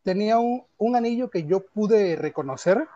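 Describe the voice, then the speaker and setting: A man's voice: high voice, expressive, moderate pace, warm tone, dull audio. A man with a Mexican accent chatting casually and telling personal anecdotes in informal, slangy speech.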